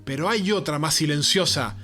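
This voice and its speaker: Man, documentary narrator, scripted delivery, slightly high pitch, clear music bed. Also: moderate pace, bright, forceful tone.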